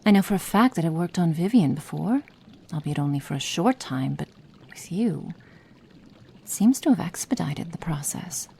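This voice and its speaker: A woman's voice: fairly low pitch, lively intonation, normal speed, creaky, mellow, a little hiss or hum. A woman voicing a stern, impatient witch in an ASMR roleplay, giving curt commands and muttering whispered notes. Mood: explaining. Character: stern, impatient adult female witch experimenter. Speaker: roleplay performer.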